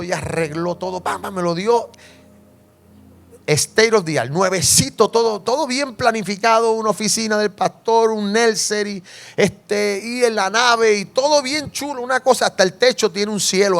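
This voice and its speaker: A man's voice: high-pitched, moderate pace, vocal fry. A Puerto Rican man, a pastor, telling a personal testimony in a sermon and asking the congregation questions. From Puerto Rico. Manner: animated storytelling, asks the congregation questions.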